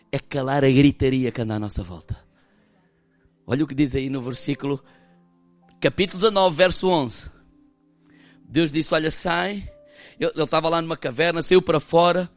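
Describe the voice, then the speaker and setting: A man preaching with a European Portuguese accent, his voice sitting high for a man. He moves from impassioned, raised passages down to hushed, quiet stretches. The sound is dry and close, with faint music underneath. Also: moderate pace, long pauses, dry recording. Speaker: pastor. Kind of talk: sermon.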